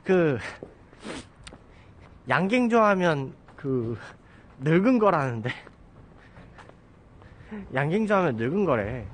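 Chatty guy livestreaming on a walk, phone at arm's length, voice jumps up and down a lot, faint street noise. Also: fairly high pitch. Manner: chatty, rambling, self-mocking asides. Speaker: live streamer. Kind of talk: casual walking livestream chat. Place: outdoors on a residential street. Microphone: handheld phone at arm's length.

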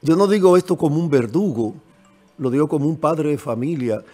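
A Dominican man in his sixties talks with fatherly earnestness as a priest on a televised panel, his voice sitting a little high. He speaks into a desk microphone in a TV studio, with faint music under the talk. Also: expressive, a little fast, darkish tone. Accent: Dominican Spanish. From Dominican Republic. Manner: earnest, fatherly, gestures emphatically. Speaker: Catholic priest guest. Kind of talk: TV panel discussion. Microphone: desk microphone on stand.

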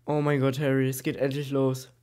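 A man with a cold, hosting a Minecraft let's-play and chatting excitedly with his teammate, repeating himself as he plays. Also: mid-range voice, brisk. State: has a cold. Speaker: gaming YouTuber.

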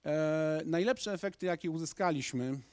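A man in his thirties gives a lively presentation to a lecture hall audience, gesturing as he talks and often restarting his sentences. His voice sits fairly high for a man. The handheld microphone gives a dry, close sound. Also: normal speed, clean tone. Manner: energetic, gesturing, with frequent restarts. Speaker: conference speaker.

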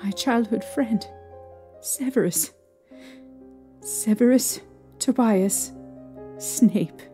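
A young woman playing a distraught, haunted mother recounting her ordeal emotionally and haltingly in an audio drama. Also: fairly high pitch, mellow, soft background music. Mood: grave, sad.

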